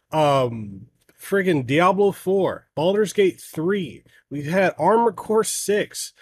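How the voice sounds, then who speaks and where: A man with a slightly higher voice than most men rants on his gaming podcast. He talks bluntly and heatedly and swears freely as he makes his case. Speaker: podcast host. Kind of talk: ranting solo podcast talk.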